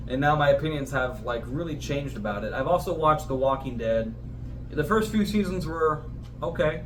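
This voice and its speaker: A man in his twenties talking casually and informally as a solo podcast host, rambling and a little hesitant. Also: fairly high pitch. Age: 20s. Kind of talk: casual solo podcast chat about favourite shows. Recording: distant mic, clearly noisy room ambience.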